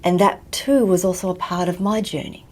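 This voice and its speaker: A woman from Vietnam, raised in Australia, giving a slow, reflective talk and often dropping to a near whisper. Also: on the low side, a little mellow, slight background noise. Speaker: guest teacher.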